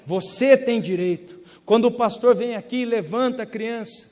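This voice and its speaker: A man with a Brazilian Portuguese accent preaching a sermon in a large church. He swings between forceful declarations and hushed, tender delivery. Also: extremely high pitch, moderate pace. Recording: long reverb of a big church hall.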